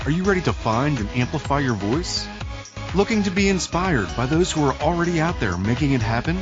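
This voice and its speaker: A male announcer delivers a polished, promotional show intro with a lively, swinging pitch. A music bed plays clearly behind him. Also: brisk, dull audio. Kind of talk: scripted show intro voice-over. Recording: voice-over over music.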